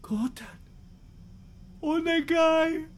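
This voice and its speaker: A man's voice: very high voice, extremely slow, voice pushed up, exaggerated voice. A man voicing a Japanese mother who begs her son and breaks down sobbing. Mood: pleading. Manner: begging, then sobbing. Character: pleading Japanese mother, middle-aged woman.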